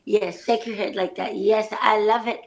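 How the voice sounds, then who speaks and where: A woman's voice: medium pitch, fairly even intonation, moderate pace, creaky, natural voice. A woman improvising a boastful, competitive film star on a reality show, talking in a brash, swaggering way and swearing freely. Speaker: improv performer. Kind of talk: improvised comedy scene.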